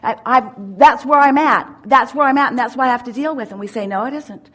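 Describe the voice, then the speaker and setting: A woman giving a spiritual teaching at a seminar, speaking as "we" in an emphatic, drawn-out way. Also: a little high, a bit bright. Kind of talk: channeled teaching in first person plural.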